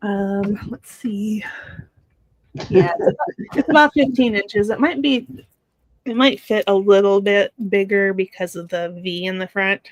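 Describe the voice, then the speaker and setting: A woman hosting a casual live jewelry sale, talking in an unhurried, halting way with fillers and restarts. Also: mid-range voice, steady tone, no echo, rough recording. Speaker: host selling vintage jewelry live.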